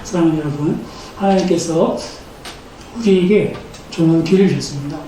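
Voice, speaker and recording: A high, mellow-toned man in his fifties preaches in a big, echoing church sanctuary. He sounds a little far from the microphone, with faint noise underneath. His delivery is earnest and builds to emphatic rises. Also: fairly quick. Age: 50s. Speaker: pastor. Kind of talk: sermon. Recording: echoey church hall, mic at a distance, faint noise.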